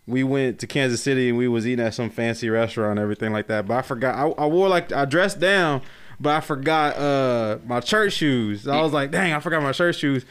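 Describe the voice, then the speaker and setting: A man's voice: mid-range voice, fairly quick, smooth. A man with an African American accent interviewing in a casual, conversational way. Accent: African American English. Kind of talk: casual chat.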